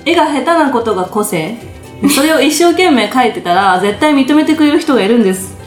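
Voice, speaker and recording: Fast-talking chatty woman co-host. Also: sits high, animated, roomy sound, faint music behind. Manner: quick, chatty, laughs while telling stories. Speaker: podcast co-host. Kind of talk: casual chat.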